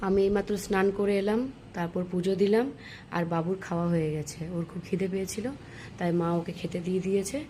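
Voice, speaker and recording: A rapid-fire woman vlogger narrates her day straight to her viewers, voice kept soft by a sore throat. Her pitch sits in an ordinary middle range. Clear background noise from a phone recording hangs behind her. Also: steady tone. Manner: chatty, addresses viewers directly. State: sore throat, speaking softly. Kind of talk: casual daily vlog narration. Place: home and outdoors, moving around.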